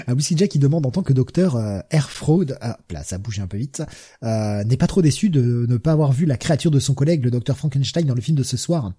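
A man's voice: medium pitch, expressive, fairly quick, warm tone, husky, no echo, clean studio sound. A man co-hosting a podcast, joking and rambling with many fillers. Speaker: podcast co-host. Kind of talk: casual chat.

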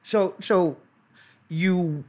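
A man's voice: sits high, extremely slow, dark tone. A man interviewing casually, feeling his way into questions and rephrasing them as he goes.

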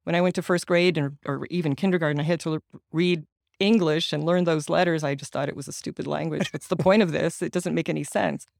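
A man's voice: on the high side, fairly even intonation, fairly quick, gravelly, no room sound. Earnest man explaining, dry close sound. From United States, Ukrainian American family. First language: Ukrainian. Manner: earnest, explanatory, frequent restarts. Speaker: guest, patient advocate and author. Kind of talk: interview answers.

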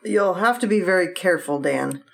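A devoted young wife in an old radio drama. She speaks softly and tenderly. Her tone stays gentle and reassuring throughout. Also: lowish voice, lively intonation, moderate pace, gravelly. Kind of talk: 1950s radio acting.

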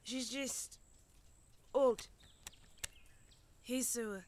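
A woman's voice: fairly high pitch, fairly even intonation, drawn-out words, darkish tone, a little hiss or hum, voice pushed down. A woman voicing a nervous young prince who stammers and hesitates. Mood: hesitant.

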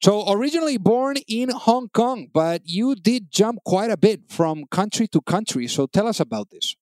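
A man with a fairly high voice hosts an interview podcast, keen and chatty, often repeating words as he restarts a thought. His voice sits close to the mic in a dry, dead room with no echo. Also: lively intonation, moderate pace, a little mellow. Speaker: podcast host. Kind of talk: conversational interview.

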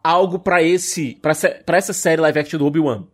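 A man's voice: on the high side, steady tone, a little fast. A man with a Brazilian Portuguese accent giving his opinions on films and series in a casual discussion. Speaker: podcast panelist.

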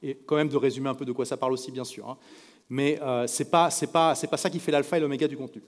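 A man from France speaking to a live audience from a stage, telling anecdotes in a lively way and acting out the people he quotes. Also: mid-range voice, fast. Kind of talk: storytelling talk to a live audience. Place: stage in a large event hall. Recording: echoey hall reverb.

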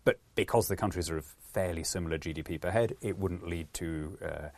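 A man's voice: sits low, brisk. A man with a British accent, a podcast guest, talking animatedly, acting out quotes with many restarts. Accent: British English. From born in Peru, lives in England. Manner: lively storyteller, acts out quotes, frequent restarts. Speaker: guest, politician.

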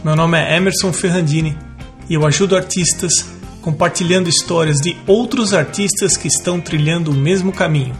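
Male podcast host, Brazilian accent, higher-pitched voice, conversational, music in the background. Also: brisk. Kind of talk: podcast introduction and conversational interview.

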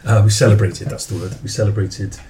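A man in his forties hosts a casual podcast in a low, soft-edged, mellow voice. He rambles gently and corrects himself mid-thought. There is faint background noise on the recording. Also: steady tone, a little fast. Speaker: podcast host. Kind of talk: casual chat, podcast introduction.

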